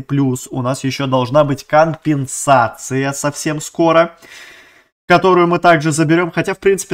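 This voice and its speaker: A man talking casually over gameplay as a video game channel host, chatty and thinking aloud, often correcting himself mid-sentence and using gamer slang. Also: medium pitch. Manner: uses many diminutives and gamer slang. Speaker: gaming YouTuber.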